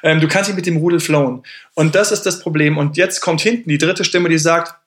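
A man's voice: a little high, brisk. Chatty German man on a livestream. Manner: animated, thanks viewers for gifts mid-sentence; acts out inner voices in quoted asides. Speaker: livestream host. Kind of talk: casual motivational livestream chat.

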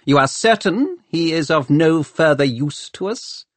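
A man's voice: a little high, animated, unhurried, no room sound, pitched above the performer's own voice. A man voicing a scheming male city ruler who speaks in a clipped, commanding way. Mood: cold command.

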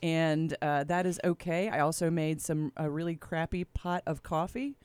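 A woman's voice: normal speed, smooth, no echo. A woman hosting an improv podcast, chatting casually and playfully. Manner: chatty and playful, lively pitch. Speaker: podcast host.

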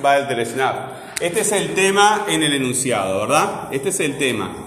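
Teacher in an echoey classroom. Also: male voice, mid-range voice, lively intonation, a bit bright, a little hiss or hum. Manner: patient, drills aloud, repeats phrases slowly. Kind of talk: classroom lesson. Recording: echoey classroom with long reverb.

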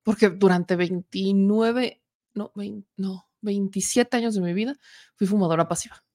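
A Mexican woman in her thirties hosts a casual political talk show. She chats and jokes, throws asides to her producer, and sounds a little worn from an allergy cough. Her pitch sits in the middle range. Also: unhurried, darkish tone. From Puebla, Mexico. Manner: chatty and joking, with asides to the producer. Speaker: political commentary host.

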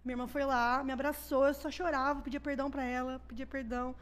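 A woman's voice: high voice, quick pace. A woman pastor with a Brazilian Portuguese accent tells her personal testimony as a podcast guest, acting out the dialogue she quotes. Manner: animated storyteller who acts out quoted dialogue.

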